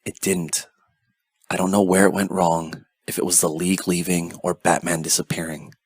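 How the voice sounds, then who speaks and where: A man as a deep, husky hero commander. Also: little pitch movement, normal speed, dry recording. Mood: weary, reflective. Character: grave, measured male superhero team commander. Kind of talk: amateur audio drama acting.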